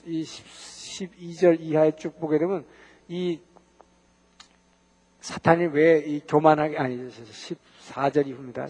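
A man with a fairly high voice teaches a Bible lecture, chatty and full of questions to his class. His voice rings with long hall reverb. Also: darkish tone. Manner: conversational, asks the class rhetorical questions.

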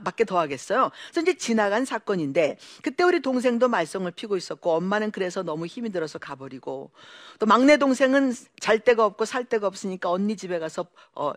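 A woman born in Korea gives an emotional personal testimony to an audience, telling her story animatedly and acting out the voices of the people in it. Her voice is medium-pitched, and the studio-quality recording has no room sound.

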